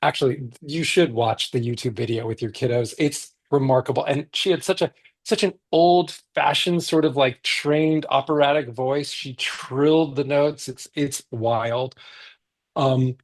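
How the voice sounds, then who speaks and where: Enthusiastic husky-voiced male author. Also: medium pitch, unhurried. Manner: enthusiastic, animated, with many restarts and fillers. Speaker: picture book author. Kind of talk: casual panel chat about a book.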